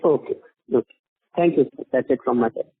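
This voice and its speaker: Husky man calling by phone. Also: mid-range voice, brisk, no room sound. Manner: hesitant, polite. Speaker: analyst asking questions. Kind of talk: earnings call questions. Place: conference call by phone. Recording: narrow dry phone line.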